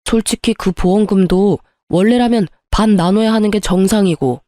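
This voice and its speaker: A woman's voice: medium pitch, moderate pace, warm tone, no echo, clean studio sound, lightly acted. A woman voicing a bitter, greedy ex-husband in a story reading, with an accusing, defensive way of talking. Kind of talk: storybook narration with acted dialogue.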